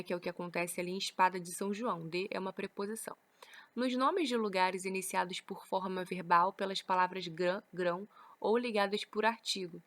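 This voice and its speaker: A woman's voice: mid-range voice, fairly bright tone. A woman teacher with a Brazilian Portuguese accent, explaining grammar rules from slides and often adding "né?" to check understanding. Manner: explains each rule with frequent "né?" tag questions. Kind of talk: recorded grammar lesson reading from slides.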